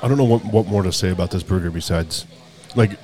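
A man's voice: deep voice, fast talker, a crowd in the background. A man chatting casually and describing a burger in detail as he eats it. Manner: descriptive, enthusiastic about the food. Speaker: co-host of a food review show. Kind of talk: casual chat while eating.

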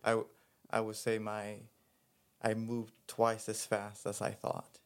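A man's voice: on the low side, completely flat delivery. A man in his thirties from Venezuela, a podcast guest speaking thoughtfully and unhurriedly. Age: 30s. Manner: thoughtful, unhurried, with pauses and fillers. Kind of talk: casual chat.

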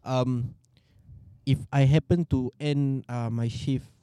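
Mellow Singaporean man in casual banter. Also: medium pitch, steady tone, takes it slowly, clear, resonant tone, no echo, studio quality. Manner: colloquial, with Singlish particles like lah and ah. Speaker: podcast co-host. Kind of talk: casual banter among friends.

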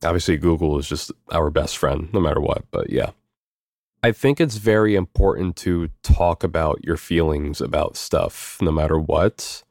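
Deep-voiced young man, laid-back and rambling. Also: moderate pace, gravelly, a little mellow, no room sound, studio quality. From New York, USA. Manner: easygoing, rambling, frequent fillers and swearing. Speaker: voice actor interviewee. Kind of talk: casual interview answers.

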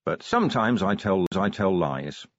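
Man as weary police commander, blunt, urgent, awkward, audiobook character, husky, slightly dull recording. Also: low voice, big pitch swings, unhurried, no echo, heavily acted. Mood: guarded, reluctant.

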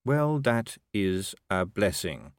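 A man voicing an unruffled, quietly ironic city ruler in a story, careful, measured and understated. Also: on the low side, expressive, no echo, clean studio sound.

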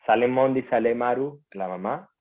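A man's voice: mid-range voice, moderate pace. A man with a Venezuelan accent, a podcast guest telling a story in casual, slangy talk. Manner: slangy, informal. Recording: narrow phone-like sound.

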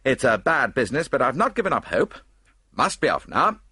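A blustery minister in a hurry, read by a man. He is loud and hearty with a husky edge. The voice bounces around freely. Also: mid-range voice, very animated, a little fast, dry recording, clean studio sound, pitched above the performer's own voice, exaggerated voice.

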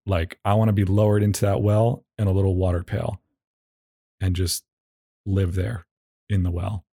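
A man hosting a casual solo podcast, rambling with halting, self-deprecating phrasing and dry, goofy humor. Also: low voice, little pitch movement, vocal fry, mellow, no room sound. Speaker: podcast host.

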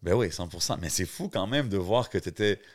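A man's voice: low-pitched, lively intonation, brisk. A man hosting a podcast in casual chat, full of hyped, slangy reactions. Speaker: podcast host.

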